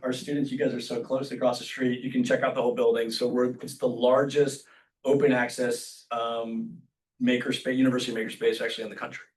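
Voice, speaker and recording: A man's voice: mid-range voice, little pitch movement, brisk, distant mic, poor audio. Man hosting from across the room. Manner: loose and conversational, many fillers. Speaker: host and executive director. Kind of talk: welcoming remarks at a roundtable. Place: meeting room around a table.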